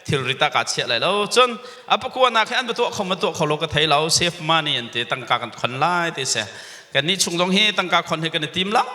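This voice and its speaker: A man's voice: fairly high pitch, sharp tone, in a large hall. A male pastor preaching a sermon, mixing English words into his speech. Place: church sanctuary.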